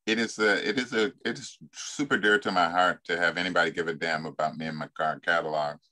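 A man's voice: sits low, fairly even intonation, brisk, bright, forceful tone. An older man hosting a story session on a video call from home, frank and casual, with the odd curse word. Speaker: storyteller and host. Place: home room.

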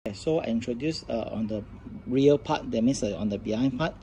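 Mellow-voiced man, halting Southeast Asian demo. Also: mid-range voice, slight background noise. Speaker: product demonstrator. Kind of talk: unscripted hands-on product demonstration. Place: indoors at a tabletop, faint background noise.

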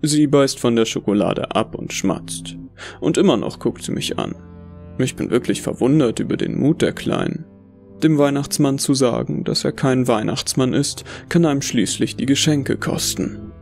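A man narrates a scripted first-person horror tale. His voice has a gravelly fry and a measured, brooding delivery. Music sits underneath. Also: mid-range voice, lively intonation, darkish tone.

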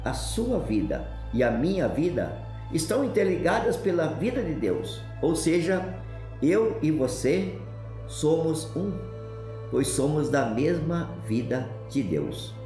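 A man with a mellow, middle-pitched voice speaking in a calm, measured way. The room echoes around him, and soft music plays behind. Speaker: religious speaker. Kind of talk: recorded testimony.

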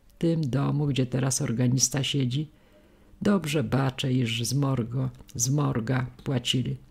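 A woman voicing a sharp-tongued old village gossip woman, scolding in folksy peasant speech. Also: a bass voice, fairly even intonation, a little slow, gravelly, breathy edge, exaggerated voice.

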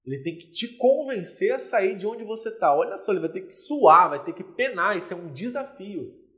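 A man's voice: high voice, moderate pace. A man coaching women on dating, talking to camera and acting out little scenes in quoted voices. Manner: animated, acts out short scenes with quoted voices. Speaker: relationship coach.

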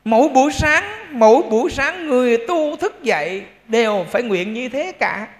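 Delivering a dharma talk in a temple hall, this monk speaks with a Central Vietnamese accent at an extremely high pitch, with lively intonation and a moderate pace. His style is conversational, with check-ins to listeners and funny asides.

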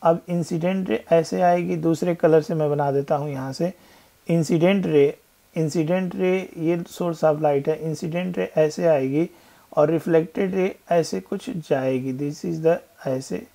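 A male physics tutor talking through an exam question step by step, switching between Hindi and English and slowly rereading the question text. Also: a little high, steady tone, gravelly, mellow. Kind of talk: whiteboard exam-problem walkthrough. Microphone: voice-over on a screen recording.

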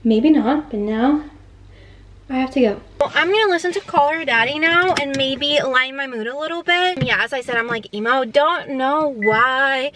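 A woman's voice: sits high, normal speed, crowd noise. A teenage woman chatting candidly in a casual vlog, often saying "like". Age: late teens. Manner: chatty, frequent "like", candid about her feelings. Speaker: vlogger, high school senior.

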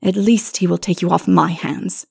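A woman voicing a grave, stern king in a storybook, speaking in a measured, firm and solemn way. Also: lowish voice, fairly even intonation, creaky, darkish tone, slightly rough, full character voice. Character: grave, stern male king on a perilous journey.

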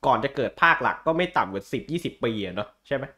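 A male podcast host. His voice sits at a medium pitch. He chats casually and bluntly, throwing in slang and jokes. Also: expressive, very fast, bright, forceful tone. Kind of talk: casual chat about comic books.

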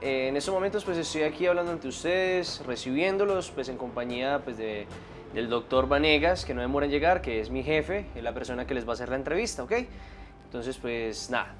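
A man's voice: mid-range voice, brisk, soft background music. A young man playing a doctor, formal and a bit hesitant, greeting visitors in a clinic office. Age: young adult. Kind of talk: staged short drama.

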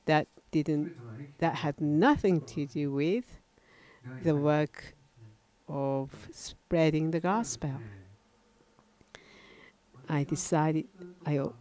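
An older man from Japan, a native Japanese speaker, preaching a sermon in English with a Japanese accent, halting and often correcting himself. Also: on the high side. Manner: halting, frequent self-corrections and restarts. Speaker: pastor. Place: church platform at a wooden lectern, indoors.

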